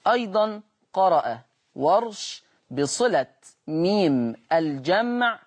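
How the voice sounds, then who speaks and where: A man teaching Quran recitation on a broadcast lesson, patiently repeating words slowly to demonstrate their sounds. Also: high voice, sing-song, slightly rough. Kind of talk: televised Quran lesson, explaining Warsh reading.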